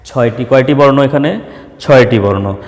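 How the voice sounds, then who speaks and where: A Bangladeshi man teaching a primary school lesson, asking questions and answering them himself, sometimes drawing out examples slowly. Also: mid-range voice, a little mellow, big-room sound. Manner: slow, drawn-out dictation of examples. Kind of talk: online class lesson.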